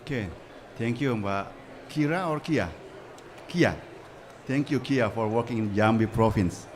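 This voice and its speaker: A man with an Indonesian accent answering audience questions on a panel, halting and repeating words often. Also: medium pitch, noisy background. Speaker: government panelist. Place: conference pavilion.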